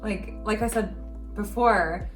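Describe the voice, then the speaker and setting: A woman's voice: medium pitch, slow pace, far from the mic. A young woman hosting her channel, chatting casually about how she met her partner, with lots of fillers and laughter. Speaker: channel host. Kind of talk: casual couple chat. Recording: roomy echo, faint music.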